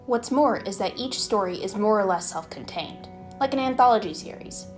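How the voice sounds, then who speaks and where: A woman's voice: mid-range voice, expressive, moderate pace. Woman narrating a video essay over prominent music. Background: background music.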